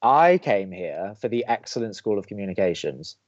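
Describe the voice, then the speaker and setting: A man's voice: lowish voice, very animated, moderate pace, dull audio. A young man playing a sardonic, reluctant college radio co-host in an audio drama, with a dry, skeptical, pedantic way of talking. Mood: skeptical, defensive. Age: young adult. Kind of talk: scripted audio drama banter.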